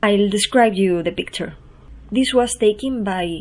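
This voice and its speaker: A woman with a Spanish accent at medium pitch. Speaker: poet and performance artist, newsletter podcaster. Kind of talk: reading aloud own newsletter.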